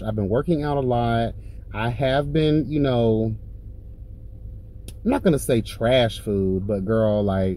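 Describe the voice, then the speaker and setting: Dark, mellow tone in a dry sound with no echo. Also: man. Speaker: vlogger. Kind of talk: casual vlog chat. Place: car. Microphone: phone near.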